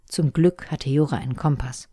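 A woman narrating a children's storybook in a calm, expressive reading voice. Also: sits low, moderate pace, husky, no echo, clean studio sound.

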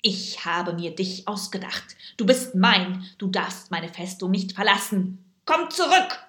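A woman's voice: mid-range voice, sing-song, measured pace, fairly bright tone. A woman reading a storybook aloud, voicing a small grey male tyrant who bellows in rage. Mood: raging. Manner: bellowing, raging. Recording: echoey room.

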